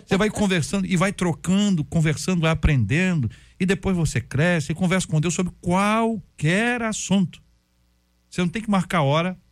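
A man's voice: sits high, normal speed, dry recording. Storytelling man, dry close sound. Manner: storytelling, acts out prayers and quotes. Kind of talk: conversational faith talk.

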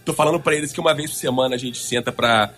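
A man's voice: mid-range voice, fairly bright tone, soft background music. A man in his thirties, a pastor on a radio panel, speaking enthusiastically. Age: 30s. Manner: rapid, enthusiastic.

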